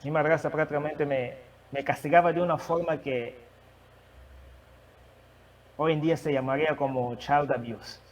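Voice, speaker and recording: A man who is not a native Spanish speaker, preaching and sharing a testimony, with a halting manner and many restarts. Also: a little high, fairly even intonation, recorded from a distance, highs cut off. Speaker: guest preacher. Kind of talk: sermon testimony.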